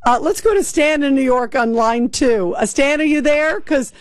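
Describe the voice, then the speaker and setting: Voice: high-pitched, expressive, normal speed, no echo. A talk radio host commenting emphatically and sounding incredulous, taking calls.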